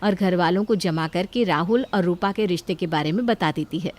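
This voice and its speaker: A woman narrating a scripted moral story in an even storytelling manner. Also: on the low side, moderate pace, background noise.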